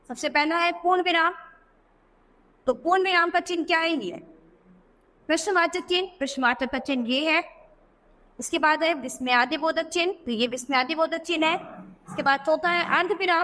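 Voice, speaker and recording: Female teacher for a kids' grammar lesson, high and bright, patient explaining, long reverb on the voice. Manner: explaining patiently, often checking in with the class.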